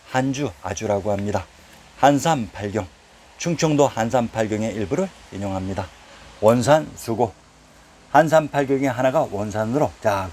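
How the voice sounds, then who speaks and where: A man reading a formal lecture on old place names, reciting quotations from historical texts at a steady, even pace. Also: medium pitch, slight background noise. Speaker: narrator of a history lecture series. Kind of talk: read-aloud historical lecture.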